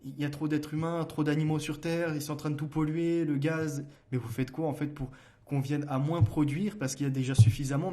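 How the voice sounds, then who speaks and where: A man with a mellow, darker voice hosts a solo commentary show. He speaks in a middle pitch. He challenges his listeners with pointed rhetorical questions, often hesitating and restarting mid-sentence. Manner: argumentative, addresses listeners directly with rhetorical questions. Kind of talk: solo political commentary, reading book passages aloud.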